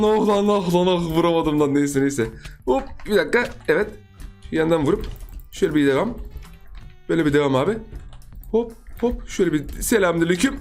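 A man giving excitable, chatty gameplay commentary as a gaming YouTuber, swinging between high exclamations and low asides while he talks to viewers and other players. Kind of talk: let's-play gameplay commentary.

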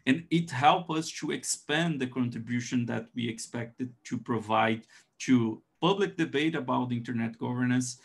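A man with a Brazilian accent and Portuguese as his first language, presenting slides on a video call as an academic, in a hesitant, halting way. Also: mid-range voice, creaky.

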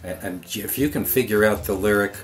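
A man hosting a podcast with rambling, casual commentary, repeating words in a halting way. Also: fairly low pitch. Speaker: podcast host. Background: loud music.

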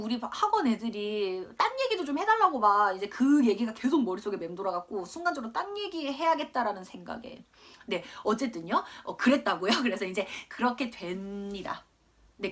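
In a lesson video, a woman with a mid-range, somewhat bright voice tells a casual, self-mocking story. She's an English tutor in her twenties who was born in Korea and grew up in Australia, and she rambles chattily, laughing at herself.

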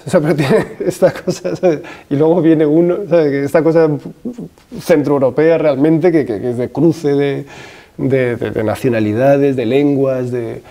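A man's voice: fairly high pitch, steady tone, measured pace, mellow. A man in his thirties, a film director, answering interview questions in a hesitant, thinking-aloud way with many restarts. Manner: gestures with his hands as he talks. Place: room with wooden shelves, indoors.

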